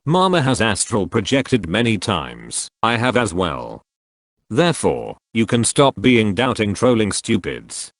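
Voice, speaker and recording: A man's voice: lowish voice, huge pitch swings, unhurried, no room sound, studio quality. A man reading social media posts aloud, speaking every handle and symbol out literally.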